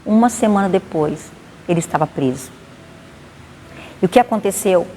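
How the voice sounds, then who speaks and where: A woman pastor with a Bahian accent, giving a lively spoken testimony and acting out the dialogue. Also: fairly low pitch, normal speed. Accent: Bahian Portuguese. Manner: animated, acts out dialogue. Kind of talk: testimony storytelling. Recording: long reverb, faint noise.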